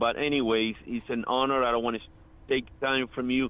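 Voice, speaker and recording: A man at a fairly slow pace with monotone, flat intonation. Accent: Spanish. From Caribbean. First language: Spanish. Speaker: caller. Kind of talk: call-in conversation.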